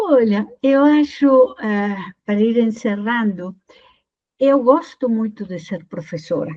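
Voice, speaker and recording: A woman with a fairly high pitch and a dark, mellow tone speaks at a very slow pace. Her voice is somewhat breathy, with lively intonation. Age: 70s. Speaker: psychologist and teacher. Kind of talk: interview.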